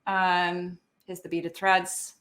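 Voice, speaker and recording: A woman with a fairly low voice talks through a photo art tutorial over a video call. She is chatty and sentimental and sounds slightly hoarse, as if her voice is wearing out. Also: completely flat delivery, slow pace, a bit bright. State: losing her voice. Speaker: guest instructor. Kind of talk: software tutorial demonstration. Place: home office.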